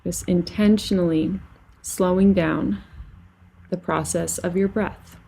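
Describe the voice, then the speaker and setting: A woman leading a guided relaxation as a meditation teacher, speaking gently and soothingly with unhurried phrasing and long pauses. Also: fairly even intonation, creaky, slightly rough. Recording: lower-quality microphone.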